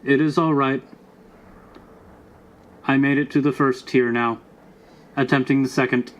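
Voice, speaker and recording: A man's voice: mid-range voice, steady tone, measured pace, lightly acted. A man playing a polite, earnest four-legged robot bodyguard in a tabletop game, speaking in formal, precise phrases. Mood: earnest, patient. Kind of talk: tabletop roleplay.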